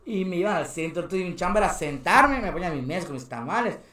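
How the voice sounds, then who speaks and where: A man's voice: high-pitched, expressive, fast, pushed and bright. A young man with a Mexican accent, a podcast guest telling casual stories, laughing often and acting out other people's voices. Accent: Mexican Spanish. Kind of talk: casual storytelling. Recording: echoey room.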